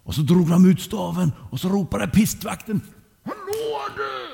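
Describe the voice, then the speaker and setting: A man telling a children's story aloud in a lively way, speaking directly to young listeners. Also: sits high, gravelly, breathy edge, big-room sound.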